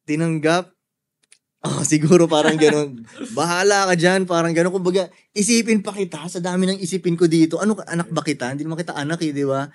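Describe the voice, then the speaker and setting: A man's voice: fairly high pitch, steady tone, quick pace, a little mellow. A young man chatting casually on a podcast, laid-back and slangy, swearing often. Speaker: podcast guest.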